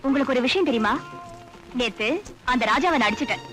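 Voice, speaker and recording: An actress playing a feisty young woman with quick, scolding retorts, in an old film. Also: on the high side, lively intonation, fairly bright tone, soft background music. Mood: playful. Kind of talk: 1980s film acting.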